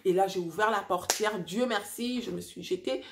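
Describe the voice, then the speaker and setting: A woman in her forties from Africa, telling a personal story to her viewers in a chatty, animated way with many fillers and restarts. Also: medium pitch, moderate pace, creaky, a little hiss or hum. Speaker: vlogger. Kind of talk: casual storytelling to camera.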